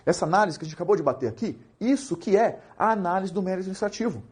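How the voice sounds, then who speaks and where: A young man with a Brazilian Portuguese accent teaches law in an animated, jokey way. His voice sits high and swoops all over. The tone is mellow with a slight husk. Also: racing, breathy edge. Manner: animated, jokey, asks rhetorical questions. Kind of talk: lively recorded lecture.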